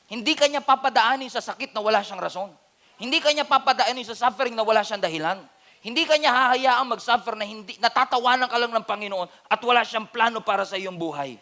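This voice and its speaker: A Filipino-accented pastor from the Philippines gives a lively, funny sermon that switches between Tagalog and English. His male voice is extremely high-pitched, and he talks fast.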